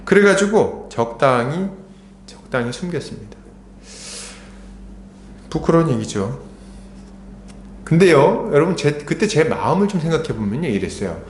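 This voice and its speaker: A man's voice: big pitch swings, normal speed, long pauses, slight background noise. A middle-aged man pastor preaching a sermon in a church, conversational and full of rhetorical questions. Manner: grows urgent and raised in pitch. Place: church sanctuary. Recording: echoey church hall.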